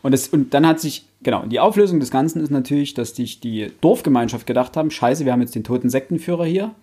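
A man's voice: medium pitch, animated, fast, mellow, breathy edge. A man co-hosting a casual book discussion, explaining things step by step in a colloquial way. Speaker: podcast co-host.

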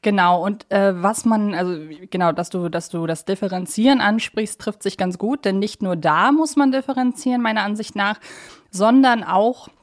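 A woman's voice: mid-range voice, moderate pace. German woman hosting a casual podcast. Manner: wordy, circling explanations with self-corrections. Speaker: podcast host.

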